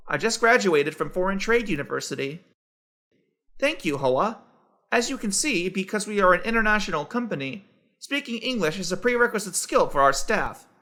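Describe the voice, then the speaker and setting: A man reading scripted everyday conversations for English learners, in a clear, evenly paced textbook delivery. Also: high voice, bright, forceful tone. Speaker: dialogue voice for English practice.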